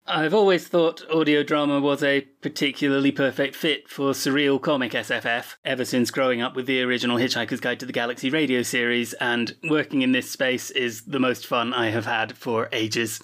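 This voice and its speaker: A man's voice: mid-range voice, a bit bright. A man giving a scripted introduction as the writer and producer of an audio drama.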